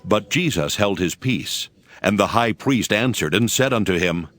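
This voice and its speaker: A man narrates scripture in a lowish voice. His delivery is solemn and measured, like formal storytelling, with music clearly playing underneath. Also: animated, fairly bright tone.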